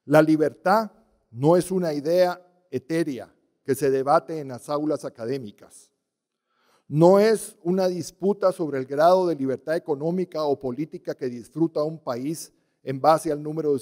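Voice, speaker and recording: A middle-aged man, a university rector, delivering a formal ceremonial speech from a podium in a large auditorium, measured and solemn with emphatic pauses. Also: fairly high pitch, mellow. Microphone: podium microphone. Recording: long hall reverb.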